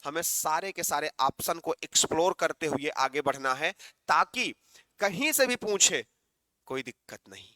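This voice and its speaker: Guy teacher doing exam prep online, high bright voice, keeps pushing for quick answers, dry close sound. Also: lively intonation, no room sound. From Northeast India. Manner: brisk and coaxing, calls out for quick answers, reads English options slowly.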